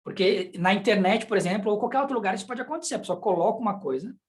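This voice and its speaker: A man's voice: sits high, animated, rapid-fire. A man with a Brazilian Portuguese accent teaching a sign language class in a conversational way, often checking in with the students through rhetorical questions. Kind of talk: live online class.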